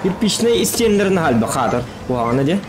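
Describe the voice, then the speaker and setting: A man's voice: fairly high pitch, very animated, a little fast. A man giving casual live gameplay commentary, muttering remarks to himself as he plays. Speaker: game streamer. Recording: game noise and engines behind the voice.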